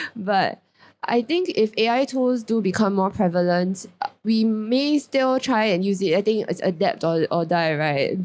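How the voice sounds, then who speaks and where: A woman with a Singaporean accent speaks at a fairly high pitch with lively intonation. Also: very clean recording, silent background. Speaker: entrepreneur, founder of a character brand. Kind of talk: casual podcast interview. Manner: some stammering and repetitions.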